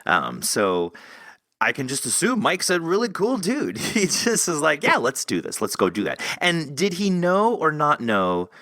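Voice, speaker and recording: A man's voice: on the high side, huge pitch swings, unhurried, sharp tone, no room sound, studio quality. A man hosting a podcast in casual interview chat, rambling and thinking aloud as he goes. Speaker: podcast host.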